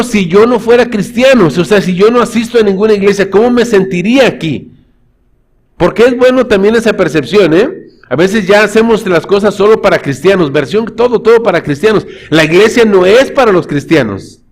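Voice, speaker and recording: A man, a pastor preaching a sermon in church, telling stories and calling the congregation brothers. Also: sits high. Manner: storytelling, addresses congregation as brothers.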